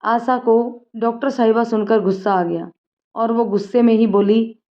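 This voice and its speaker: Woman narrating a story calmly. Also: a little high, moderate pace. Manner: calm, steady storytelling. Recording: dull lo-fi recording.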